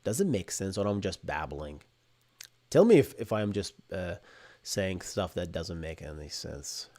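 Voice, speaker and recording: A man in his thirties speaks with an Arabic accent, his voice sitting a little low as he talks into a desk mic at home. He explains technical ideas in quick energetic bursts and keeps checking in with "right?" like a chatty live-stream host. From Bahrain. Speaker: podcast host. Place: home room with bookshelves. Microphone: desk microphone in front.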